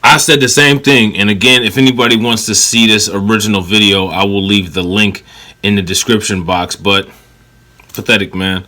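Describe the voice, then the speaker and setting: A man's voice: lowish voice, fairly even intonation, moderate pace, bright, forceful tone. Blunt, profane man ranting in reaction. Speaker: host reacting to a clip. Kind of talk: heated reaction commentary.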